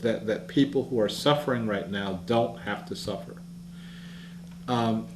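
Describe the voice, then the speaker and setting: A man giving an earnest, reflective public talk in an easygoing storytelling manner. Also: lowish voice. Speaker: speaker. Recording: roomy echo with faint hum.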